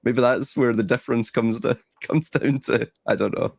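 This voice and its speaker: A man's voice: mid-range voice, normal speed, gravelly, no room sound. A man from Scotland with an Edinburgh accent, chatting casually as a stream host and often restarting his phrases. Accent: Edinburgh Scottish. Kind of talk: casual chat.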